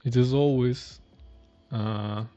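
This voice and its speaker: A man's voice: medium pitch, fairly even intonation, slow pace, warm tone, muffled recording, faint music behind. A man, chatting casually while live-coding and thinking aloud on a stream from a small room. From Russia. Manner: thinking aloud, chatty, reading chat questions. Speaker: streamer, indie developer.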